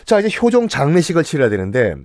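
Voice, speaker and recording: A man's voice: a little high, fast, dry recording, clean studio sound. A man telling history in a casual, playful podcast lesson, acting out quotes as he goes. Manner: playful, animated, acts out quotes.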